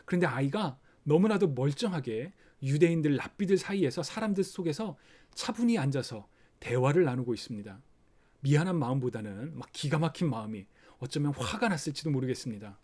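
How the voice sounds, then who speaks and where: Korean-speaking man preaching a gentle sermon. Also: on the high side, lively intonation, brisk. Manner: explains gently, acts out parents' worried inner voices. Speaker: pastor. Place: online worship recording.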